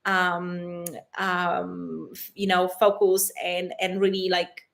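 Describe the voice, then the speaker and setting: A woman from Poland with a Polish accent, hosting a live stream as an intimacy coach and answering chat questions warmly and with frequent laughter. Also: lowish voice, completely flat delivery, slow pace, vocal fry. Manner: warm and affectionate, calls viewers "my loves", laughs often.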